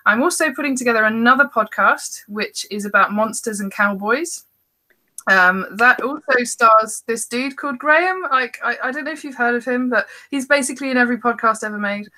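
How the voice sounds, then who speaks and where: A woman's voice: fairly high pitch, a little fast, sharp tone, low-quality recording. A woman speaking as a guest author in casual, informal, self-deprecating podcast conversation.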